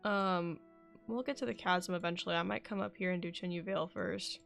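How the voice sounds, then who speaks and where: A woman's voice: on the low side, steady tone, fairly quick, gravelly, fairly bright tone. A young woman giving casual, rambling commentary as she live-streams a game, thinking aloud over game music.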